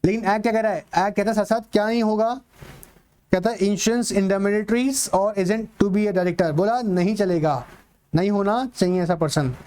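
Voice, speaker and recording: An Indian man lecturing students in an online class, mixing Hindi and English, reading English lines slowly and then explaining quickly, often repeating points and telling them to remember. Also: sits high, a little mellow, smooth. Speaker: teacher. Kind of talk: online exam-prep lecture.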